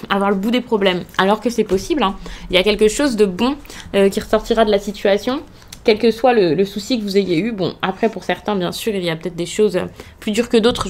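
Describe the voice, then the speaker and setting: French woman doing a hesitant tarot reading. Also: medium pitch. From France. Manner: hesitant, many fillers and restarts, reassuring. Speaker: tarot card reader. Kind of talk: casual tarot reading to camera.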